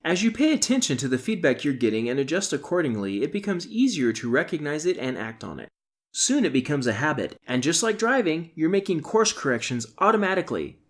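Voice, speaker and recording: A man's voice: a little high, sing-song, fairly quick. Instructional man narrating a self-help audiobook. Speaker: author reading own audiobook.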